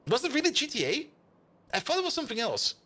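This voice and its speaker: High-pitched, lively male game streamer. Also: quick pace. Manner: rambling, repeats words, excitable. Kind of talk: casual chat with viewers while gaming.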